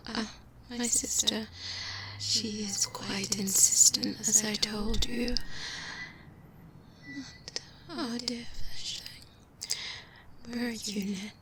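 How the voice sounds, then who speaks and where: A woman playing a sly, teasing female vampire in a soft-spoken, whispery ASMR roleplay, close to the microphone. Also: mid-range voice, steady tone, extremely slow, long pauses, very noisy. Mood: smug, teasing. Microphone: close binaural microphone.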